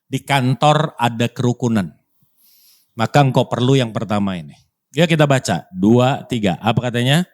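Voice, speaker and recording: A man's voice: mid-range voice, moderate pace. A middle-aged male pastor giving a sermon with humorous stories, speaking colloquially, teasing and calling on the congregation for responses.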